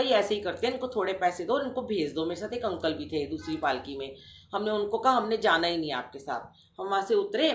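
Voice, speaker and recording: A woman's voice: medium pitch, fairly bright tone, echoey room. A middle-aged woman speaking at a satsang, telling a devotional story to the congregation and acting out the people she quotes.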